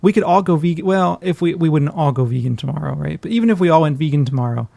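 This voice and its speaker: A man's voice: fairly high pitch, animated, fast talker, vocal fry, warm tone, no room sound. A man co-hosting a podcast, talking casually and emphatically about his opinions. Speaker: podcast co-host.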